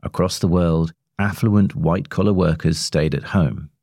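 A man reads a long-form article as a scripted narrator. His voice is deep, with a creaky edge and a bright, forward tone, recorded close and dry. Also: moderate pace, no echo. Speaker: narrator of a magazine long read.

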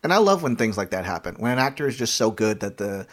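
A man's voice: lowish voice, very animated. A man co-hosting a podcast, chatting casually and joking. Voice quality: joking, quick asides. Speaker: podcast co-host. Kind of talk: casual chat.

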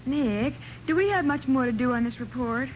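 A perky detective's secretary in 1940s radio style. Her American voice is fairly high and chirpy, with faint noise on the old recording. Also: expressive, normal speed, poor audio. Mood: flattered, coy. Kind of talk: 1940s radio drama acting.

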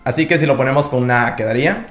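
A man teaching a language lesson, calmly explaining each sound step by step. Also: mid-range voice, rapid-fire. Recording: echoey room.

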